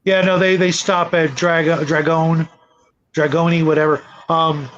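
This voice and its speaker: A man in casual conversation about tabletop games, rambling and halting as he repeats his words. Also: a little high, level tone, a bit bright, dull audio, slight background noise. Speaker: panelist on a role-playing show.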